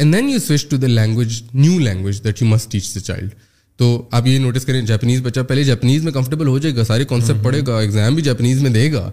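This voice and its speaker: This man has a dark, mellow tone at a medium pitch, with ordinary variation in his pitch. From Pakistan. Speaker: education entrepreneur. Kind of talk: interview.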